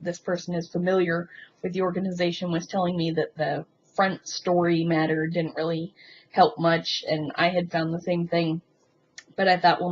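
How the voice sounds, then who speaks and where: A woman talking in a casual, rambling confessional vlog, hesitant and halting as she thinks aloud with frequent ums. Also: lowish voice. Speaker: video blogger. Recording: muffled lo-fi sound with faint background noise.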